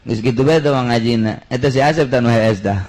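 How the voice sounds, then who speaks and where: A man's voice: medium pitch, a little fast, poor audio. A man preaching through humorous storytelling, colloquial and acting out dialogue as he goes. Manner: colloquial, animated shifts between character voices. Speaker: Islamic preacher.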